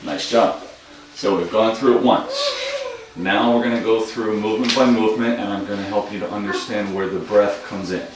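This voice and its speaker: A man in his thirties serenely guiding tai chi movement and breathing in short, calm instructional phrases with pauses. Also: fairly low pitch. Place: indoor home room with hard floor. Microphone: distant camera microphone across the room. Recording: echoey room from far off, music behind.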